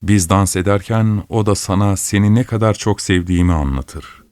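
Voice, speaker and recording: A man's voice: deep voice, moderate pace, darkish tone, no room sound, close to an everyday voice. A man voicing an impulsive, lovesick young student in a storybook reading. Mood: eager. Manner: eager, then bitter.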